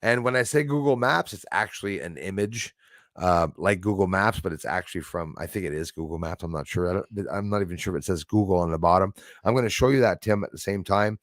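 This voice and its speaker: A man's voice: deep voice, brisk, no room sound, studio quality. A man from Quebec with a Quebec English accent, hosting a casual livestream and rambling through chat with lots of fillers. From Quebec, Canada. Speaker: livestream host reading chat.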